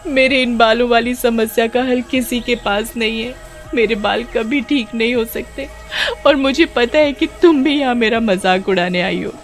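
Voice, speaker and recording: एक औरत बच्चों की कहानी में गांव की एक भोली जवान लड़की की आवाज़ कर रही है, जो भावुक होकर बोलती है और डरने पर हकलाती है।. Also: female voice, medium pitch, moderate pace, faint music behind, pitched above the performer's own voice, lightly acted. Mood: tearful. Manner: tearful, stammering when scared. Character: sad young village girl teased for her hair. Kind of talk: children's storybook voice acting.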